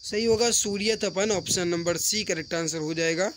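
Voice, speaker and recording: A man teaching an exam-prep mock test online, reading out questions and answers briskly and addressing viewers as friends, often repeating himself. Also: sits high, a bit bright. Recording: rattling wind noise in the background. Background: wind noise from a storm outside.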